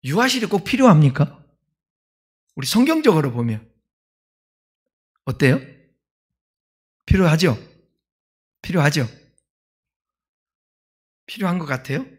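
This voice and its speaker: A male pastor preaching a sermon in a conversational way, asking the congregation questions and swinging between loud emphasis and quiet asides. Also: on the high side, big pitch swings, unhurried, long pauses, slightly rough.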